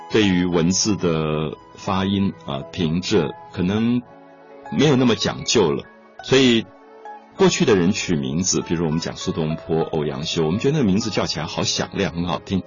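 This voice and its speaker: A man giving a patient lecture on classical poetry, repeating key points and stretching out his particles. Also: low-pitched. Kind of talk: explanatory lecture. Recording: dull lo-fi recording with faint music.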